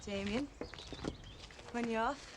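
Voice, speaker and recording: A woman's voice: fairly high pitch, slow pace, background noise. An actress playing a kind Irishwoman, wishing someone well.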